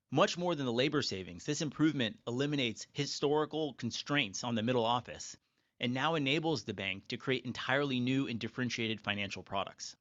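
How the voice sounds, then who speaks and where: A man's voice: mid-range voice, fairly bright tone, dry recording. Man giving assertive corporate remarks, muffled line. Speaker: company executive presenting on an earnings call. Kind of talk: scripted earnings call presentation.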